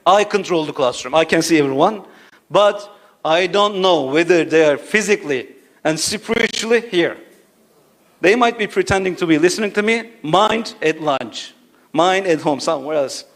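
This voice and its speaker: Male academic speaker, fairly high voice, lecturing in an auditorium, rhetorical, keeps checking in with listeners. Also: fairly bright tone. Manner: rhetorical, checks in with "right?" and "you see". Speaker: conference speaker.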